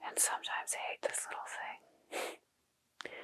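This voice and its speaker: A woman whispers in a calm tone. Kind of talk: ASMR relaxation talk, telling a rescue dog's adoption story. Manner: soft-spoken, whispered, calm.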